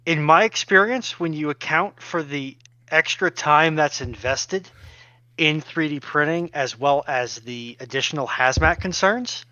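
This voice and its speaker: A man co-hosting a casual live chat, speaking in a measured, wordy way with rather formal phrasing. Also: fairly high pitch, bright, forceful tone, dry recording, highs cut off. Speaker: co-host and chat moderator.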